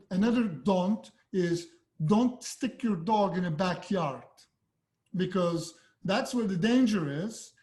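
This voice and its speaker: High-voiced man giving dog-training tips. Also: a little mellow. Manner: friendly, direct, loose and conversational. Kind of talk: casual tips video.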